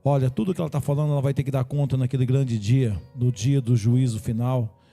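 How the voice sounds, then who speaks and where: A man hosts a religious live stream in a very dark, gravelly voice. He checks his guest's account with short questions and turns to viewers with preacherly appeals. Faint music runs underneath. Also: medium pitch, fairly even intonation, brisk. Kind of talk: live-stream interview and exhortation.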